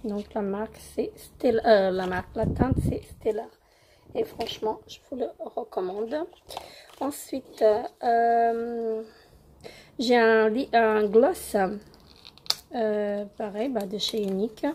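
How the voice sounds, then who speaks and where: Slow, hoarse young woman reviewing makeup. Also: on the high side, warm tone, slight background noise. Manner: hesitant, many fillers and repeated words. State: hoarse from a cold. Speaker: beauty vlogger. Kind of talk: casual product review.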